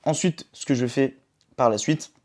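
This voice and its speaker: A man's voice: mid-range voice, moderate pace, a little mellow. A young man from France talking informally to his phone camera about his daily routines, often checking in with the viewer. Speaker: vlogger. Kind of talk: casual self-help talk to camera.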